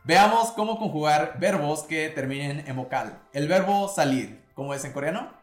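A man's voice: a little high, animated, normal speed. A man hosts a casual language lesson, explaining step by step and quizzing his co-host. His voice sits in a roomy, echoing space with faint music underneath. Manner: explains patiently, prompts co-host with questions. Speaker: podcast co-host, Korean teacher.

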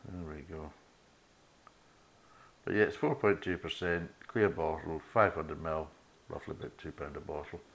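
A man's voice: very deep voice, steady tone, normal speed, vocal fry, long pauses. A middle-aged Scottish man hosting a beer review podcast, chatty and swearing freely as he talks. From Scotland. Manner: chatty, swears freely, laughs at own jokes. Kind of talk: casual chat.

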